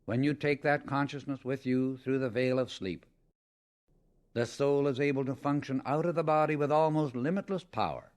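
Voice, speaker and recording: A man's voice: mid-range voice, moderate pace, a little mellow. Man solemnly reading a spiritual audiobook. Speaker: audiobook reader. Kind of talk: scripted spiritual teaching read aloud.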